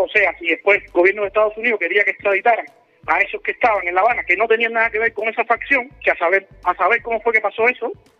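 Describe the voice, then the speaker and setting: A high-pitched man talking at a very fast pace over music in the background. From Cuba. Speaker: caller. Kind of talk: phone-in political commentary.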